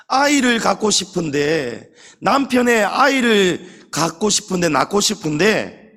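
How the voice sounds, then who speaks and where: A man's voice: high-pitched, fairly bright tone. A man preaching as senior pastor at a Sunday service, emphatic and full of rhetorical questions to the congregation. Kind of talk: Sunday sermon. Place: church sanctuary during Sunday service. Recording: long church hall reverb.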